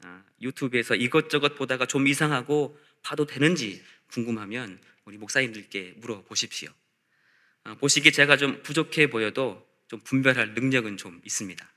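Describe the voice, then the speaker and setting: A man preaching a sermon as a pastor, in measured rhetorical phrases with repetition. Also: medium pitch, pushed and bright. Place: church service.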